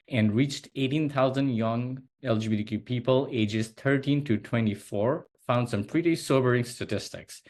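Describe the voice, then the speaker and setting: A man's voice: mid-range voice, a little mellow. A man from Nepal, probably in his thirties, giving an earnest slide presentation on a video call, often using small fillers as he talks. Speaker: advocacy presenter.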